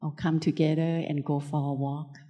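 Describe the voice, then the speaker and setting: A woman from Thailand with a Thai accent, a Buddhist nun giving an unscripted spiritual talk in gentle, short, simply worded phrases. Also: deep voice, little pitch movement, moderate pace, muffled recording.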